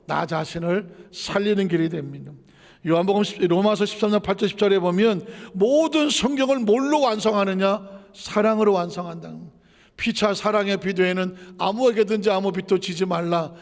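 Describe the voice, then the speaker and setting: A man's voice: high-pitched, moderate pace, big-room sound. A male pastor preaching a sermon in a conversational way, asking rhetorical questions, telling a personal story and repeating phrases for emphasis.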